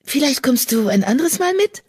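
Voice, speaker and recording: A woman's voice: sits high, big pitch swings, normal speed, a little mellow, pitched above the performer's own voice. A woman voicing an eager young female apprentice cat in an audiobook. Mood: eager, worried. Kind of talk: audiobook character voice.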